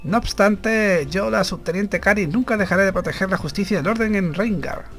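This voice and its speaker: A man's voice: high-pitched, a little fast, a bit bright, faint music behind, voice pushed up. A man from reading aloud the lines of an earnest young woman security officer in a game, in his own plain voice.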